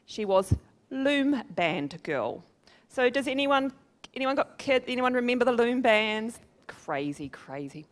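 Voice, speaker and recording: A woman with a New Zealand accent giving a live seminar talk to an audience, chatty and upbeat and laughing at her own jokes. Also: medium pitch. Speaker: presenter at a business seminar.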